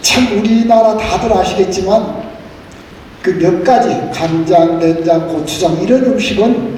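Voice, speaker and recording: Over noticeable background noise and audible room echo, a man with a Gyeongsang accent speaks in a high voice with lively intonation at a fairly slow pace. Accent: Gyeongsang dialect, still present. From inland Gyeongsang province, Korea. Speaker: Buddhist monk giving a dharma talk. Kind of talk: sermon. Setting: temple hall with congregation.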